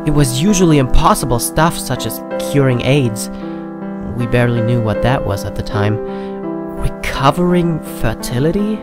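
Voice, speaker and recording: A man's voice: medium pitch, lively intonation, moderate pace. A man narrating a scripted first-person horror story as if recalling memories. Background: prominent piano and keyboard music.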